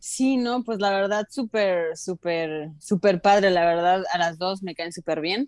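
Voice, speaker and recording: In an ordinary speaking voice, a woman with a medium pitch and ordinary pitch variation talks at a fairly slow pace with hardly any pauses, the sound dry and close with no echo on a very clean recording with a silent background. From Mexico, Aguascalientes. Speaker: mixed martial arts fighter. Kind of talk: casual interview.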